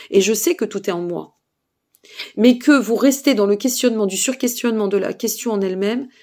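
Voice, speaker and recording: A woman with a medium-pitched, dark-toned voice and a Burgundian French accent sits indoors giving spiritual advice to camera. She sounds tired and hesitant, full of fillers, often checking in with those listening.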